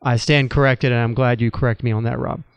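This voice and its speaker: Male host, measured and thoughtful, crisp dry voice. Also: medium pitch, steady tone, no echo. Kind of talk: conversational interview on retirement finance.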